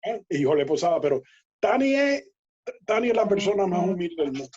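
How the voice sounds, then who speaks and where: A man, a guest telling lively baseball anecdotes in a casual interview, laughing and acting out quoted dialogue. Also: high-pitched, brisk, breathy edge. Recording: dull lo-fi audio.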